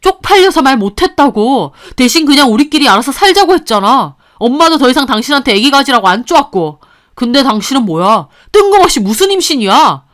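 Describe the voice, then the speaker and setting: A woman's voice: sits high, big pitch swings, a little fast, a bit bright. A woman voicing an angry, suspicious young husband in a radio-style story, talking in an accusing, sneering way. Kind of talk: Korean radio-story dialogue.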